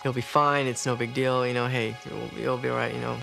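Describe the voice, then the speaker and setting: A young man retells the moment he found his hurt little brother. He talks fast with a gravelly edge. A loud music bed runs under his voice. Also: mid-range voice, level tone. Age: young adult. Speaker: eyewitness brother. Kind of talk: interview recollection.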